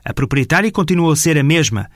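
Dry, slightly high news narrator man. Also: lively intonation, no room sound. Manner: measured, formal delivery. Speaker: reporter narrator. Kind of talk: scripted news voice-over. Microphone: studio voice-over.

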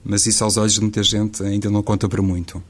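Low-voiced sports moderator. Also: male voice, little pitch movement, fast. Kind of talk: studio panel discussion.

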